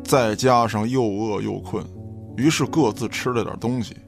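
A man's voice: lowish voice, normal speed, gravelly. A man narrating a scripted audio drama as a storyteller, in a dramatic reading style. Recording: background music under the voice.

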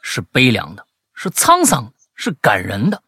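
A man hosting a chat show, reading listener letters aloud and teasing them with animated, mock-indignant commentary. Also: medium pitch, moderate pace, husky, no echo, studio quality. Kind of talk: comic commentary on listener stories.

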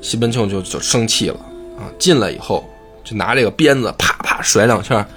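A man who hosts a podcast, retelling a classic novel in animated, colloquial chat and swearing freely. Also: on the low side, brisk, soft background music. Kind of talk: casual storytelling chat.

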